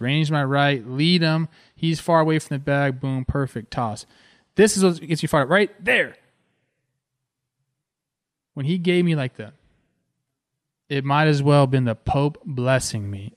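A man in his thirties from Southern California, a former ballplayer and host, telling stories in an excited, casual way. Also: normal speed, no echo, clean studio sound. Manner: excited, animated, talks with fillers like "man" and "boom". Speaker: former ballplayer hosting a show. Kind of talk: casual storytelling.

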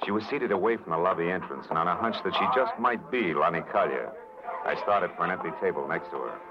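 An actor playing a wry, tough-talking American private detective, narrating and acting in an old radio noir drama. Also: male voice, sits low, lively intonation, quick pace. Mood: wry, watchful. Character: hard-boiled, wry male private detective, impatient and sardonic. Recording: muffled old radio recording, loud music behind.

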